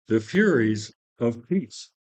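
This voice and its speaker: A man's voice: mid-range voice, animated, slow, darkish tone. A man reading narration from a play as dramatic storytelling. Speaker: narrator and reader.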